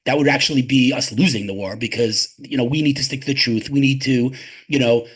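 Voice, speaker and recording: A man's voice: mid-range voice, fairly even intonation, brisk, breathy edge. A man speaking emphatically as a guest on an interview podcast, often repeating words as he starts a sentence. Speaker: interview guest, tech advisor. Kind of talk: conversational interview.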